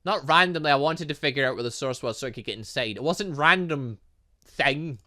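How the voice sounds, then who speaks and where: Animated, bright-voiced male gaming host. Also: a little high, fairly quick. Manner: animated, theatrical, exclamatory. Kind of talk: playthrough commentary, reading game dialogue aloud.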